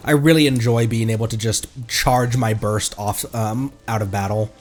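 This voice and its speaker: A man's voice: mid-range voice, steady tone, moderate pace, soft background music. A man giving casual, rambling live game commentary and chatting playfully with viewers. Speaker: game streamer, VTuber.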